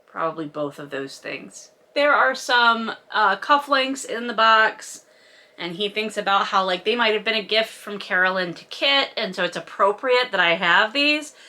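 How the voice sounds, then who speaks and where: A woman's voice: medium pitch, animated, normal speed, sharp tone. A woman giving a casual, comedic book recap with sarcastic, wry asides, in the manner of a video host.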